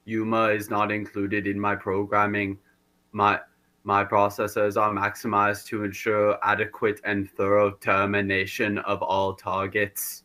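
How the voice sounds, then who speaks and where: A rusty, glitching male cyborg, put on by a man speaks in a dead-flat monotone, catching on syllables and restarting words like a robot with failing gears. The delivery is slow and deliberate, in a low-ish but bright, hard-edged voice. It reads as a stiff, deadpan machine in a comedy sketch. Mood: robotic. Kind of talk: comedy sketch role-play.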